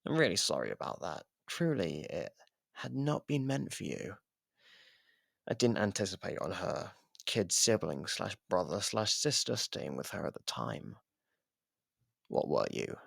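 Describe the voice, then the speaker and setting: A man playing a sardonic, taunting imprisoned murderer in an ASMR roleplay, with a gravelly, husky voice and theatrical pauses, close on the mic. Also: low-pitched, big pitch swings, fairly bright tone, dry recording, full character voice. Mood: menacing. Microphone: close microphone, dry.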